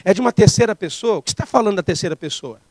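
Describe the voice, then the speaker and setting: A man's voice: high voice, animated, very fast, no room sound. A man preaching a sermon as pastor, emphatic and full of rhetorical questions.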